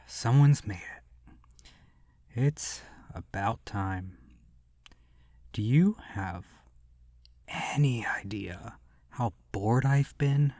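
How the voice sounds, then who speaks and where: A man's voice: medium pitch, animated, very slow, long pauses, a little mellow, no room sound, clean studio sound. A man voicing a sadistic, bored immortal vampire in a horror roleplay audio, languid and condescending, with theatrical delivery that slips into whispers.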